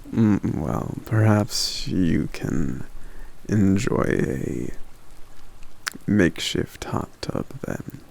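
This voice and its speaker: Casting: male actor for a gentle forest giant, deep and heavily creaky, musing and intimate, ASMR roleplay. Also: exaggerated voice. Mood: warm, musing. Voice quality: very deep, gravelly. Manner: slow, musing, hesitant, with soft hums. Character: gentle, contented giant man living in the forest. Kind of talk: ASMR roleplay, soft intimate character monologue.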